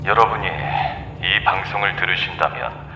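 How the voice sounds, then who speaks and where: A man's voice: low voice, unhurried, distant mic, over music. A man playing a solemn scientist delivering a grave, formal recorded radio message in an audio drama. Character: solemn male scientist leaving a last message. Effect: radio broadcast playback. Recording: echoey, reverberant radio broadcast.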